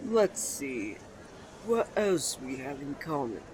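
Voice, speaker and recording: Man voicing flirtatious twin brother, smooth, self-assured, teasing, courtly endearments, romantic audio roleplay, light background noise. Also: a little high, big pitch swings, a little mellow, low-quality recording. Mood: teasing, tender. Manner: suave, drawn-out, playfully formal endearments. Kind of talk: romantic ASMR roleplay acting.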